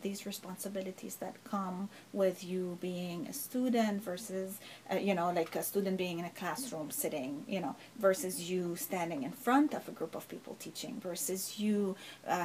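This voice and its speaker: A woman's voice: mid-range voice, darkish tone, rough recording. A middle-aged woman professor from Lebanon, answering interview questions thoughtfully with frequent fillers and rhetorical asides. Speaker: professor, guest.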